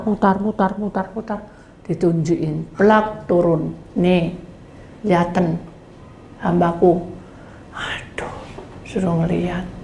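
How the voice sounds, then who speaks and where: A woman's voice: mid-range voice, darkish tone. Lady pastor preaching, acts out voices, roomy echo, a bit of hiss. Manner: dramatic storytelling, acts out voices. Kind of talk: testimony sermon. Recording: echoey room, faint background noise.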